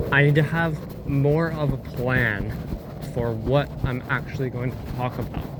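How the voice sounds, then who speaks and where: With audible room echo and noticeable background noise, a man speaks at a fairly slow pace in a medium pitch with fairly even intonation. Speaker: vlogger. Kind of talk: casual walking vlog monologue. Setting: outdoors at night, walking. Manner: slurred words.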